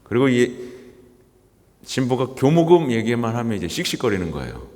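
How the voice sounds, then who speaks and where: A man's voice: medium pitch, normal speed. A man, a Catholic priest, giving a conversational weekday homily and acting out people's complaints. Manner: lively, conversational preaching with mimicked quotes. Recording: church hall reverb.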